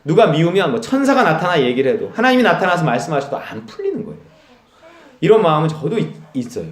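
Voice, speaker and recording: A man preaching a Sunday sermon with a lively, swinging voice that sits a little high. He tells stories and acts out dialogue with plenty of laughter. The sound carries the echo of a church hall. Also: fast talker. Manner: animated storytelling, acts out quoted dialogue, laughs often. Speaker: pastor. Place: church sanctuary.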